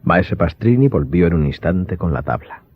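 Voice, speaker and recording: A man's voice: sits low, animated, moderate pace. A man narrating an audiobook drama in a scripted, suspenseful storytelling style. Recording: dull recording under clear music.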